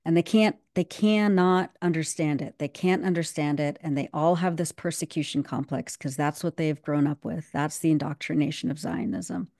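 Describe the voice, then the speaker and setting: Low, mellow-voiced woman on a video call. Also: steady tone, moderate pace, few pauses, no room sound, clean studio sound. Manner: fluent and emphatic, with many fillers. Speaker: guest commentator. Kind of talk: casual video-call discussion. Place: home room on a video call.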